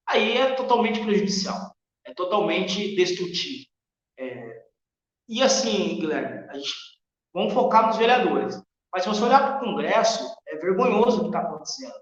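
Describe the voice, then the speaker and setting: A man's voice: sits high, fairly bright tone. A Brazilian man speaking as an interview guest in a podcast political discussion, earnest, opinionated and emphatic. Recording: very echoey, reverberant room, dull muffled sound.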